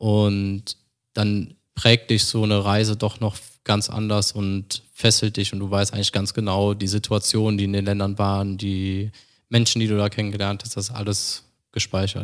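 A man with fairly low pitch talks at a moderate pace in a flat monotone, recorded very cleanly against a silent background. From Cologne, Germany. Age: 30s. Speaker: van-life traveller. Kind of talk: casual chat. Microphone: too far from the mic.

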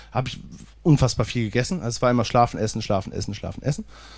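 With the background quiet, a man talks at a medium pitch that varies in an ordinary way. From Germany, Cologne. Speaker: screenwriter and ultra-distance cyclist. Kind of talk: live podcast interview. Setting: stage with live audience.

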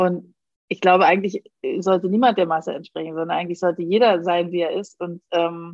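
In a plain, everyday voice, a woman speaks at medium pitch and a fairly quick pace. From East Berlin, Germany. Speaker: podcast host and coach. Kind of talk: interview.

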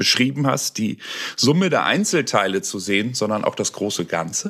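Moderate pace and lively intonation in an unremarkable speaking voice. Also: man. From northern Germany, North Frisia. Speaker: actor and audiobook narrator. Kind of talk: casual chat.

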